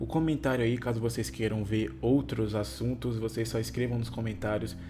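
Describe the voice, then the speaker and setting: At a fairly quick pace, a man with a medium pitch talks with lively intonation amid audible room echo. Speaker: YouTube lore narrator. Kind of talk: casual outro to viewers; scripted narration. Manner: halting, stumbles on words.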